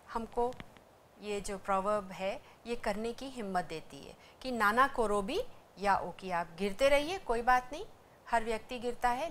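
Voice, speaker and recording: A woman with a fairly high voice gives an educational lecture at a slow, unhurried pace. She explains patiently and repeats each syllable clearly for practice. A faint hiss of background noise sits under the recording. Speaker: Japanese language teacher.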